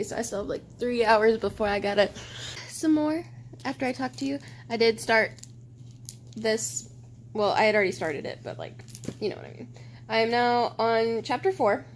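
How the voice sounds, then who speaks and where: A young woman talks straight to camera in a loose, rambling vlog, gushing about what she loves and swearing often. Her voice sits a little high for a woman. A faint hiss stays under her words. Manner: gushing, swears often, chatty with lots of fillers. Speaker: vlogger. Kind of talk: casual chat.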